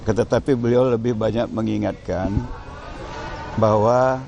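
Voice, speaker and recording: Measured, deliberate man giving a formal statement. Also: fairly low pitch, steady tone, creaky, darkish tone. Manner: measured, deliberate, halting with fillers. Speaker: political appointee speaking to press.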